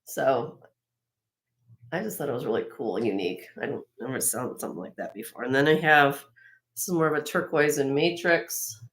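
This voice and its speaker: A woman with a slightly raspy voice hosting a live jewelry sale, chatting casually and admiringly as she shows each piece, with frequent fillers and restarts. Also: very deep voice, normal speed. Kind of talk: casual show-and-tell product presentation.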